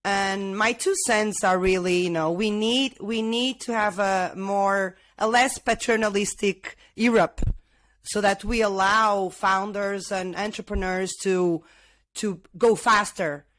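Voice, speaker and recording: A woman's voice: medium pitch, steady tone, slow pace, fairly bright tone. A middle-aged woman from Portugal, a guest talking casually in an interview, often restarting her sentences. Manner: hesitant, many restarts and fillers. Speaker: guest, angel investor.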